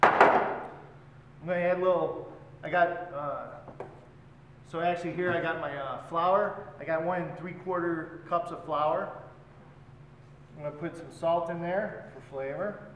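Unhurried and with long pauses, a forties-aged male chef instructor talks through each step of a cooking class as he works with his hands, his manner relaxed and his pitch fairly high. The setting is a large hotel function room indoors. The recording is muffled, captured by a distant camera amid hall echo and heavy background noise.

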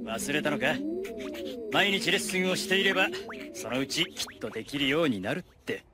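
A man voicing a gruff, earnest big black cat in a children's cartoon, a strict and blunt mentor. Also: on the high side, expressive, normal speed, a loud crowd, natural voice. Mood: earnest, grave. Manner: stern, emphatic, blunt teacher talk. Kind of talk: animated children's cartoon acting. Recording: music behind the voice.

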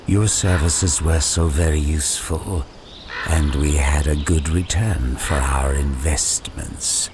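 A man's voice: very deep voice, steady tone, slow, very noisy. A man playing an eerie, smug middle-aged manipulator in a game cutscene, formal and condescending with odd hesitations. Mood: smug, measured. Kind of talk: dramatic game cutscene acting.

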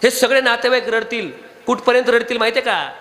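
A man with a Marathi accent preaching a devotional kirtan sermon, animated and throwing rhetorical questions at the audience. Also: extremely high pitch, a little fast, in a large hall.

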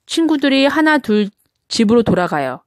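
Gentle woman reading a picture book. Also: fairly high pitch, sing-song, moderate pace, no room sound, studio quality. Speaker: storybook reader.

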